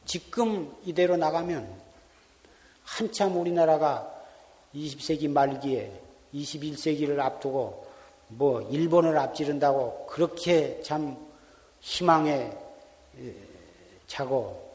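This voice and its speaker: A man's voice: on the high side, slow pace, darkish tone. A man, a Buddhist monk giving an earnest Dharma talk full of repeated rhetorical questions, recorded in a temple hall. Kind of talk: sermon.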